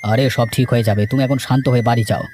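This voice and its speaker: Man acting a stern village gentleman, quick-talking. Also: mid-range voice, steady tone, soft background music, lightly acted. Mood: concerned, reassuring. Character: stern, righteous village gentleman judging disputes. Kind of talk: Bengali moral cartoon dubbing.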